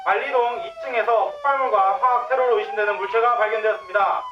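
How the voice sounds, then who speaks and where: A man making an urgent, formal evacuation announcement through a loudspeaker, loud and clipped. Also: high voice, quick pace, noisy background. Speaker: staff member in the drill. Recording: echoey, distant, muffled loudspeaker outdoors with sirens.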